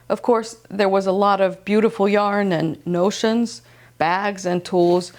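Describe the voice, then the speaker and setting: A woman from Iceland hosting a slow-living knitting podcast, speaking calmly and gently, first in reflective narration, then in casual chat. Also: medium pitch. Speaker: podcast host. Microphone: wireless transmitter mic.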